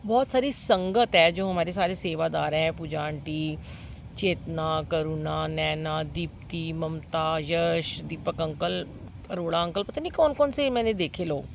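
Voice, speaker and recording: A woman's voice: low-pitched, gravelly, a little hiss or hum. Earnest middle-aged woman telling a dream. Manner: earnest, wonder-struck, pauses with many fillers. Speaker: devotee sharing a dream with a congregation. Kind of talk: devotional storytelling. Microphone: phone propped nearby.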